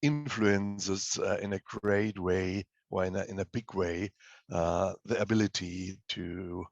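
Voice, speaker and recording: A man commenting at an online forum over a video call, speaking in a slow, halting way as he searches for words. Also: sits low, gravelly, no echo. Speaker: forum participant. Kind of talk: meeting remarks.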